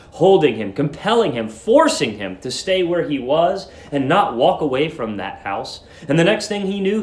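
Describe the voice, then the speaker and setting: A man giving a dramatic narration of a story, theatrical and deliberate in his emphasis. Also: medium pitch, echoey room.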